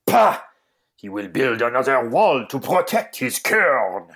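A man playing a pompous, disgruntled talk radio host, in a radio comedy sketch, with a lively, swooping delivery. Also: medium pitch, a little slow. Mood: indignant. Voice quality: pompous, indignant.

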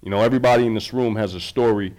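A man's voice: lowish voice, very fast, darkish tone. A man, a documentary filmmaker, talking casually in a conversation, loose and rambling with many fillers and restarts.

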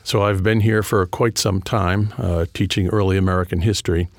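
Deep-voiced New England professor. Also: male voice, steady tone, no echo, studio quality. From New England, just outside Boston. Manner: thoughtful, measured, many fillers and restarts. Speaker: history professor and author, guest. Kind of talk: interview.

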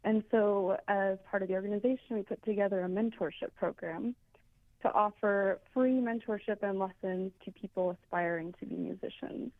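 A woman's voice: medium pitch, normal speed, no echo. A woman who founded a musicians' organization, explaining its work earnestly as an interview guest. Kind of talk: casual interview chat. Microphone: phone line. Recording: tinny phone line.

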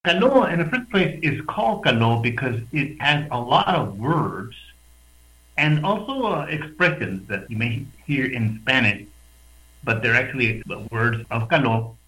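A man from the West Texas border region, a radio guest speaking over a video call, explaining in a lively, thoughtful way with hesitant restarts. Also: mid-range voice, measured pace, low-quality recording. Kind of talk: conversational explanation.

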